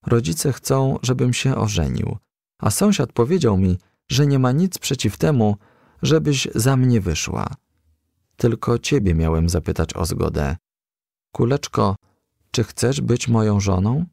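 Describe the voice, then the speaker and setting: A man's voice: mid-range voice, animated, a little slow, vocal fry, warm tone, no echo, clean studio sound. Man reading as earnest young firefly suitor.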